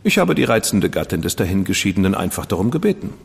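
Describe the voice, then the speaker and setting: An actor playing a witty, decadent dandy detective's partner in a German radio drama, flippant and ironic. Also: male voice, sits low, very animated, quick pace, vocal fry, breathy edge, in a large hall, full character voice. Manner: flippant, ironic, self-satisfied.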